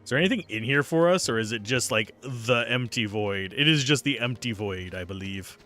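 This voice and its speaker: A young man commenting casually on a game he is streaming, chatty and jokey, with a slightly raspy voice. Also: medium pitch, animated, a little fast, sharp tone. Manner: chatty, jokey, reacts aloud.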